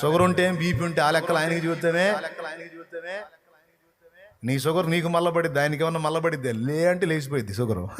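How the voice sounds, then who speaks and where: A male pastor with a Telugu accent preaching an evangelical sermon, scolding and urging his listeners, swinging between loud outbursts and hushed lines. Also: fairly high pitch, a little fast, long pauses.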